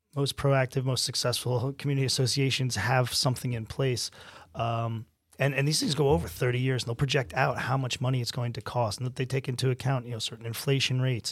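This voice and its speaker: Heard in a very clean recording with a silent background, a man speaks fairly quickly in a medium pitch, somewhat breathy, with fairly even intonation. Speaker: insurance agent. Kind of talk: casual interview.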